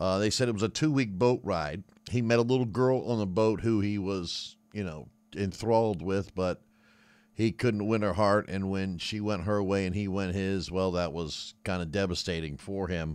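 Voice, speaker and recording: Against a quiet background, a man with an ordinary speaking voice and an American accent speaks at a moderate pace, his fairly low pitch showing ordinary variation. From Baltimore, Maryland, then rural Georgia. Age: 60s. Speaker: radio show host, music commentator. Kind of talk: casual book discussion. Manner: conversational, filler-heavy.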